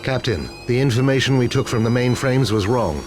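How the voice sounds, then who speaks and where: An actor playing a serious military officer who gives a clipped, businesslike briefing in a game cutscene. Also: male voice, mid-range voice, lively intonation, brisk, background noise, close to an everyday voice. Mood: urgent, serious. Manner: clipped, matter-of-fact briefing. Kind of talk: scripted game cutscene dialogue.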